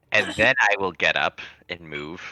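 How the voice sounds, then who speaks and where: Male tabletop player, low and very forceful voice, casual chat, dry lo-fi recording. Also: animated, slow, vocal fry.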